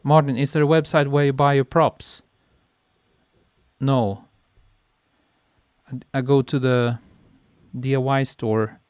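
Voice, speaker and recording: A photographer hosting a live stream, chatting casually and reading out viewer comments, relaxed and quick to laugh, speaking into a podcast mic. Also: male voice, medium pitch, clean tone, no room sound, clean studio sound. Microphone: podcast mic on a boom arm.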